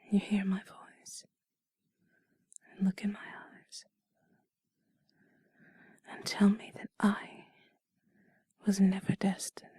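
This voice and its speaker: A woman doing an intimate whispered role-play in a soft, breathy, sultry and soothing voice, speaking slowly and deliberately, close to the mic. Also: medium pitch, no echo. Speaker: intimate audio narrator. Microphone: close mic, dry.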